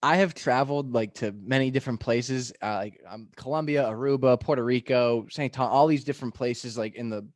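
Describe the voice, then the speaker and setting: A man from New Hampshire with a New England accent, hosting a podcast in a relaxed, chatty way. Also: medium pitch, a little fast, hardly any pauses, no room sound, clean studio sound. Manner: relaxed, lots of "like" and "I mean". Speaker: podcast host. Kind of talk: casual podcast chat.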